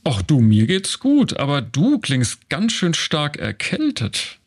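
A man's voice: on the high side, wildly swooping pitch, takes it slowly, breathy edge. A man co-hosting a company news show, explaining stories in an upbeat, conversational way. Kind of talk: casual scripted news chat.

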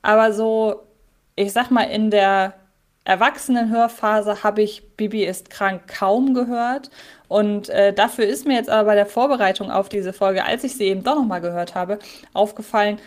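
Woman co-host, casual chat, reflective, medium pitch. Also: steady tone, moderate pace. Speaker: podcast co-host. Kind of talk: casual chat about an audio drama episode.

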